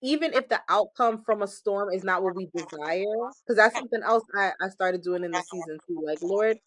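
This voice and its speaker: A woman guest giving an animated, emphatic faith testimony, exhorting listeners and laughing often. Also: medium pitch, fairly quick, no echo. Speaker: podcast guest. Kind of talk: casual testimony-style faith talk.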